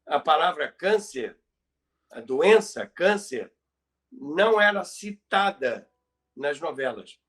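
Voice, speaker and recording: Man, Brazilian accent, fairly high pitch, slow pace, conversational storytelling, emphatic repetition. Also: expressive, a bit bright. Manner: emphatic, repeats phrases for effect. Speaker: guest recounting radio history.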